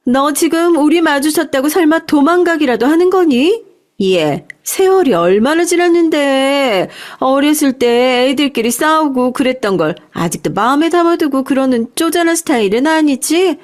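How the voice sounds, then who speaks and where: A woman voicing a loud, mocking middle-aged former school bully in an audio story, brash and condescending. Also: high-pitched, expressive, normal speed, pitched above the performer's own voice. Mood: condescending taunting. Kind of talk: acted dialogue in audio storytelling.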